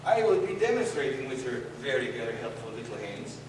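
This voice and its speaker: A man acts out a brash Russian gypsy carnival magician on a vaudeville stage, picked up from a distance in a big, very echoey theater with clear noise. He speaks with a Russian accent in mock-formal broken English and keeps a deadpan, shady showman's air. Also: mid-range voice, a little fast, lightly acted. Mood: sly showman. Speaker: stage comedy magician and host. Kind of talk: vaudeville comedy stage patter.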